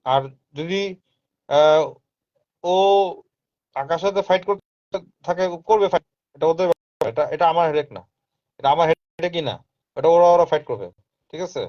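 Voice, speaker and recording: A man's voice: on the high side, normal speed, long pauses, a little mellow. Insistent man talking in a dull recording. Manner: insistent, repeats points, mixes in English phrases. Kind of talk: casual live talk. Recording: dull lo-fi sound.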